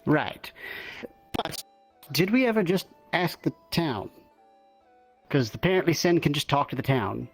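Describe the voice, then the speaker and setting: A man's voice: a little high, big pitch swings, a little slow, pauses often, breathy edge, soft background music. A man playing a roleplay character, talking through plans in a thoughtful, casual way. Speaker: roleplay player.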